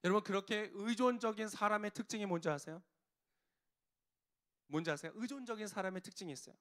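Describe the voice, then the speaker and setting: High-voiced male pastor preaching. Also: fast talker, a bit bright. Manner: asks the congregation questions and answers them, addresses them directly. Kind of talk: sermon.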